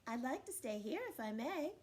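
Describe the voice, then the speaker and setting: A woman voicing a sly, flattering cat in a told folk tale, cocky and cajoling. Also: high-pitched, normal speed, breathy edge, voice pushed up, exaggerated voice. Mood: smooth flattery. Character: sly, flattering cat seeking the greatest partner.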